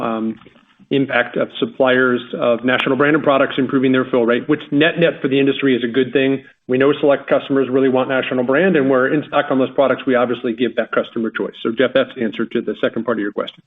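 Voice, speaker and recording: A man's voice: medium pitch, fairly even intonation, fast talker. A company executive, a man, answering an analyst on an earnings call in a confident, emphatic way. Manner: confident, emphatic business talk. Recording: tinny phone line.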